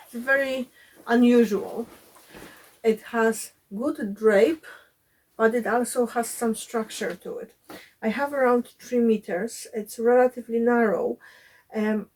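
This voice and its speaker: A woman's voice: a little high, a little mellow, low-quality recording. Chatty woman sewing vlogger, chesty voice. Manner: chatty, frequent fillers. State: recovering voice, a bit chesty. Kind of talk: casual sewing vlog. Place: home, converted cottage.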